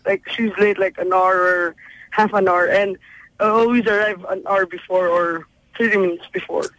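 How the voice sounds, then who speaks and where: Husky-voiced woman calling in. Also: mid-range voice, steady tone, moderate pace, a bit bright, no echo, rough recording. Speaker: caller. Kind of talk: phone-in chat.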